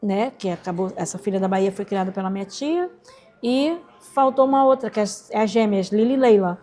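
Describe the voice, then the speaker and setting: Brisk and mid-range, this Rocinha-born entrepreneur and singer shares an emotional story from her life during an interview. She is lively and performs the quoted voices herself, while faint music plays behind her.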